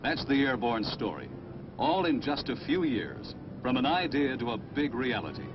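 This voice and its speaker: A man's voice: medium pitch, big pitch swings, moderate pace, noisy background. A man with an American accent reading scripted narration for a military documentary. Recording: dull vintage film soundtrack. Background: prominent music.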